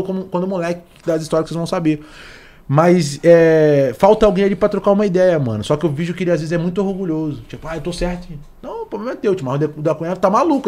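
A young Brazilian man speaks very quickly in a slightly high voice. His Portuguese has a São Paulo accent and is packed with street slang, in the loose style of a casual interview. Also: a little mellow. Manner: slangy, street-style talk full of colloquial tags. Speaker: podcast guest, former police officer. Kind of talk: casual interview chat, telling personal stories.

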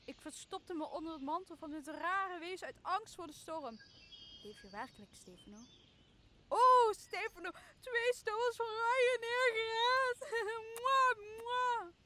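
A young woman playing a timid, excitable castaway, a loyal buddy, with nervous drama in a Shakespeare radio play. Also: extremely high pitch, a little slow, a little hiss or hum, exaggerated voice. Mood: relieved, excited. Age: young adult. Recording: clear outdoor nature sound behind voice.

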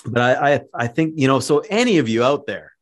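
A Canadian man hosts a podcast in relaxed conversation. He rambles, circles back on his own words and stumbles through restarts, yet keeps the tone upbeat and encouraging. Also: medium pitch, brisk. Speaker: podcast host. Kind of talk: casual interview chat.

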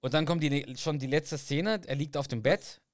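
A man's voice: fairly high pitch, moderate pace, no echo, clean studio sound. A man co-hosting a casual podcast, retelling a sitcom episode and acting out the characters' lines in raised voices. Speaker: podcast co-host.

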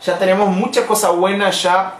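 Brazilian guy teaching languages on a live stream, high voice, bouncy, roomy echo. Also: steady tone, normal speed. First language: Portuguese. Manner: playful, laughs often, switches between languages. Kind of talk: casual live-stream lesson.

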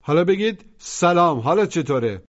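A man gives a language lesson, patiently prompting listeners to repeat after him in instructional narration. His voice is fairly high and animated. The audio is muffled and lo-fi.

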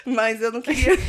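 A woman in her thirties co-hosting a podcast, telling a story in casual chat and often breaking into laughter. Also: high-pitched. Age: 30s. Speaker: podcast co-host.

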